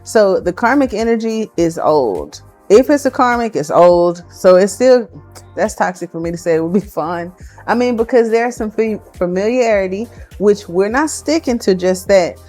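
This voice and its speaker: Woman, casual tarot reading, excitable, chatty, mid-range voice, faint music underneath. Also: medium pitch, normal speed. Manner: excitable, chatty, thinking aloud. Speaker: tarot card reader.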